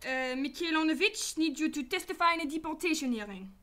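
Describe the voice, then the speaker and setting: Woman acting as a high-voiced, sassy assistant. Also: a little fast. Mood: breezy, wry. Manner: breezy, deadpan wisecracking. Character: sassy, irreverent female detective's assistant. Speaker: actress in a radio play. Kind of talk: sci-fi radio drama acting.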